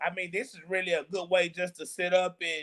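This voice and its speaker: Raised and projected, a man's high-pitched voice has a bright, sharp, energetic tone at a moderate pace. The sound is dry and close, with no echo. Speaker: YouTube live-stream host. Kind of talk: casual chat on live stream. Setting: live stream.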